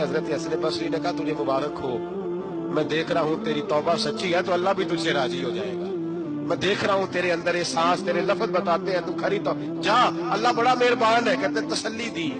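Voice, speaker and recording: A man preaching through stories in a dramatic, impassioned way, acting out dialogue and repeating phrases for emphasis. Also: on the high side. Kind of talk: storytelling sermon. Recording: loud music under the voice. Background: music.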